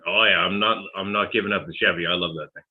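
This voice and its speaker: A man's voice: low voice, fairly even intonation, a little fast. Self-deprecating man in his forties, tinny line. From Canada. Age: 40s. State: coughing, sore lungs from dust. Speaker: host. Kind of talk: casual chat. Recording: tinny phone-like call audio.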